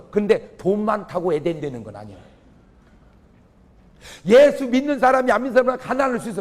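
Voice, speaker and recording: A male pastor giving a humorous revival sermon, firing questions at the congregation and exclaiming. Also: high voice. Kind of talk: revival sermon with audience call-and-response. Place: church or large auditorium before a congregation.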